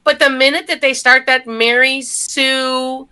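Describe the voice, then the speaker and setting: A woman's voice: high voice, fairly even intonation, unhurried, bright, forceful tone, clear, resonant tone. A woman co-hosting a casual chat, blunt and exasperated, mimicking the people she mocks.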